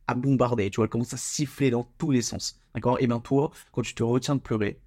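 A man's voice: mid-range voice, steady tone, fairly quick, darkish tone. Young man, solo podcast host; casual slangy delivery, frequent stumbles and repeated words.

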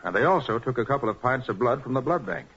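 A dull, vintage radio recording carries an American private detective. The voice is husky and moves freely in pitch. He is brisk, authoritative and sure of himself, always in charge. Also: expressive, a bit bright. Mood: explaining. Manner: brisk, authoritative, self-assured. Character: quick-witted, commanding male private detective. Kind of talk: 1940s radio crime drama acting.

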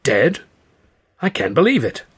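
A man voicing a hulking, slow-witted gangland thug in an audiobook, ponderous and politely threatening. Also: medium pitch, animated, fairly bright tone, slightly rough. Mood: perplexed, slow. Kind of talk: audiobook character dialogue.

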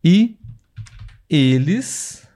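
A man hosting a live podcast language lesson, speaking patiently and repeating words slowly for learners, often checking with his listeners. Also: on the high side, lively intonation, mellow. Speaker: podcast host and language teacher.

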